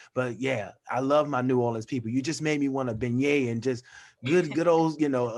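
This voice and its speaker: A man with an American accent and a plain, everyday voice, medium in pitch, at a moderate pace with fairly even intonation. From Chicago. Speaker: podcast host. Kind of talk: interview.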